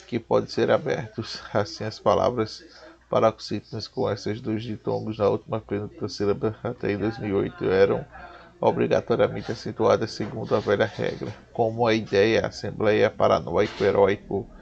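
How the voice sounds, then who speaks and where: A Brazilian man reading a spelling lesson aloud slowly and haltingly, restarting words as he goes through long lists. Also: on the low side, level tone, creaky, darkish tone. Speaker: teacher. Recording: dull lo-fi recording.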